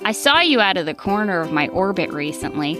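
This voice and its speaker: A woman's voice: medium pitch, sing-song, a little fast, close to an everyday voice. A woman voicing a chatty moon reading out its friendly, jokey message in a children's bedtime story. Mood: breezy, friendly. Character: chatty distant moon sending a friendly pen-pal message. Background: music.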